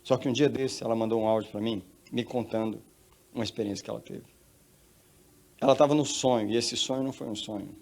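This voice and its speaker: A man's voice: medium pitch, fairly even intonation, fast, a little mellow. A male pastor with a Brazilian Portuguese accent, preaching a sermon and telling a story with emphatic repetition. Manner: emphatic storytelling, repeats phrases.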